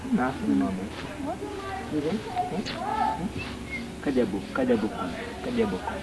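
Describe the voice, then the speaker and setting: A man's voice: mid-range voice, wildly swooping pitch, normal speed, heavy background noise. Give me a father chatting casually in an old home video, coaxing animals with repeated calls, heard on worn cassette tape. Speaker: father filming family at home.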